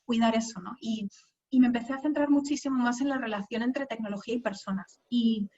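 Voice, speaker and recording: A woman's voice: a little high, brisk, mellow, muffled recording. A woman from Spain with a Madrid accent, giving a conversational webinar talk with many fillers and restarts. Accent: Spanish, from Madrid. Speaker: guest speaker. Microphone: video call.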